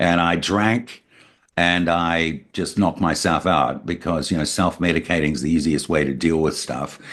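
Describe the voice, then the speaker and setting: Very deep and low with vocal fry, a man's voice moves at a moderate pace with ordinary pitch variation in a very clean recording over a silent background. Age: 60s. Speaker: abuse survivor and writer. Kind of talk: podcast interview. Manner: halting.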